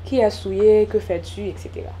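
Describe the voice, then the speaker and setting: Woman host with a mellow voice. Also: mid-range voice, steady tone, fairly quick, soft background music. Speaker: TV magazine host. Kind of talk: TV interview. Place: shaded veranda of a home. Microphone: lapel mic.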